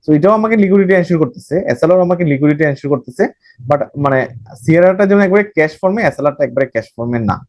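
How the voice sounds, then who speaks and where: A man's voice: a little high, animated, rapid-fire, darkish tone, dry recording. A man from Bangladesh, giving a recorded banking lecture and repeating phrases as he explains. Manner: explains by repeating phrases, mixing in English terms, self-corrects. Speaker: banking exam tutor.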